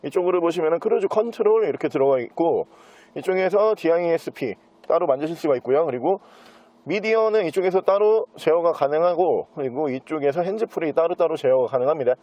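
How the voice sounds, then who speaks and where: A man giving an unscripted sales walkthrough as a used car dealer, with smooth, practised salesman patter. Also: a little high, expressive, fairly quick, dark tone, no echo. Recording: dull, muffled lo-fi sound.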